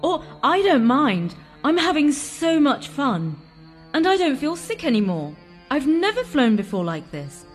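Man putting on an excitable high-pitched teenage girl. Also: measured pace, soft background music, full character voice. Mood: delighted. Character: excitable, pleading sixteen-year-old girl space tourist. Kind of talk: children's storybook character voice.

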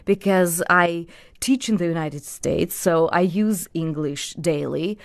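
Woman, Russian speaker, low-pitched, thoughtful. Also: slow. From Belarus. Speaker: guest poet. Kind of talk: podcast interview.

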